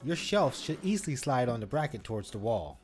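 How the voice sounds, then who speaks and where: Man, mid-pitched, instructive how-to voice-over with faint music behind. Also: big pitch swings, fairly quick, a little mellow. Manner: instructive, step-by-step. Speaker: DIY channel co-host.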